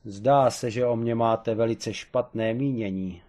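A man voicing a proud, domineering former strongwoman wrestler who talks loudly and haughtily. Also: natural voice. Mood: haughty. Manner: booming, haughty, matter-of-fact about cruelty.

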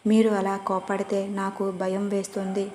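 A woman voicing a frightened, tearful young woman in a storybook reading, soft and pleading. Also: medium pitch, completely flat delivery, normal speed, big-room sound, a little hiss or hum, natural voice.

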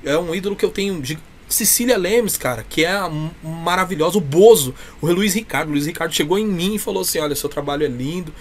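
Here the Brazilian-accented clown is talking fast with few pauses, his slightly high voice animated. He's a talkative, effusive interview guest in casual conversation, seated in a small indoor room before a cloth backdrop.

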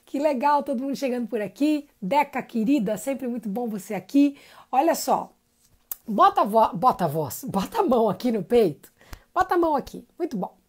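A woman's voice: fairly high pitch, expressive, moderate pace. A woman giving a live-streamed singing lesson, chatty and encouraging, greeting viewers by name between explanations. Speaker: singing teacher.

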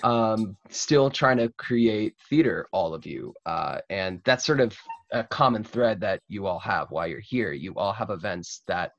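A man's voice: lowish voice, animated, measured pace, a bit bright, muffled recording. A young man hosting a casual interview over a video call, effusive and free with swearing. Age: young adult. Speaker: talk show host. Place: home room, on a video call.

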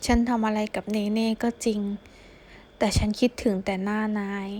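A remorseful, tender young man confides in a soft, low voice in a storybook romance, voiced by a woman reader. The voice is mellow and warm. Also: flat delivery, normal speed, a little hiss or hum, lightly acted. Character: older young man, guilty, tender, worried.

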